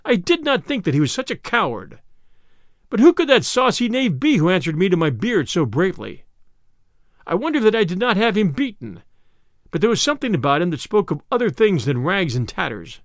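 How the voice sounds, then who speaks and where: A man's voice: high-pitched, very animated, fairly quick, no echo, clean studio sound. A man voicing a pompous, easily angered medieval sheriff in a storybook, blustering in old-fashioned speech. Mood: indignant, puzzled. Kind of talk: storybook character dialogue.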